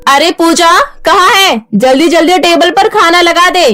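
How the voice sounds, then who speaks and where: A sharp-tongued cartoon stepmother, voiced by a woman, middle-aged and cruel. She scolds in a high, harsh tone and flings insults. Faint music plays behind her. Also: measured pace, full character voice. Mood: eager.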